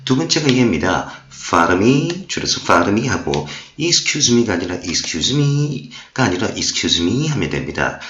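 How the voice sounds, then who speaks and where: A male English instructor giving a recorded online lecture, explaining words one by one and reading English examples slowly. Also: lowish voice, big pitch swings, fairly bright tone, slight background noise. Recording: roomy, dull lo-fi recording.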